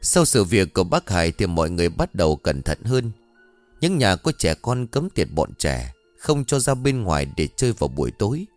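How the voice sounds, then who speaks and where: A man tells a ghost story in a low, animated voice that swings widely in pitch. The recording is dry and close, with soft music underneath. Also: normal speed, no room sound. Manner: expressive, lively storytelling. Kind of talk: scripted storytelling. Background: faint background music.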